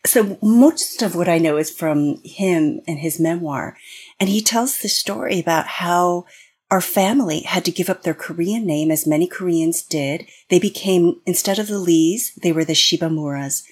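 A woman's voice: on the low side, moderate pace, breathy edge. An American woman speaking as a guest on an interview podcast, explaining in an earnest way with frequent restarts. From United States. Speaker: guest expert.

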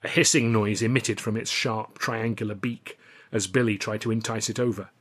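A man's voice: on the low side, steady tone, normal speed, fairly bright tone. A man reading scripted first-person audiobook narration of a novel. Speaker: author reading own novel.

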